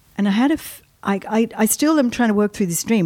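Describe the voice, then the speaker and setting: This woman's voice has a dark, mellow tone and moves at a very fast pace. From Australia, Melbourne. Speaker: novelist. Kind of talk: casual chat.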